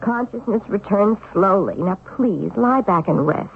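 A woman's voice: mid-range voice, lively intonation, unhurried, gravelly. An actress in a 1970s radio drama playing an anxious wife, earnest and reassuring with her injured husband. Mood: soothing, firm. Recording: narrow-band old radio recording, faint noise.

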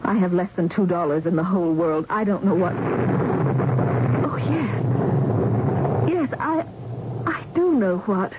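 Actress as anxious bereaved heroine, melodramatic radio drama, emotional phrasing, muffled noisy recording. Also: female voice, fairly low pitch, a little slow, long pauses, lightly acted. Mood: desperate, resolved. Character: distraught, bereaved young woman, earnest and anxious. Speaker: actress playing heroine and narrator. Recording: dull, noisy old radio broadcast.

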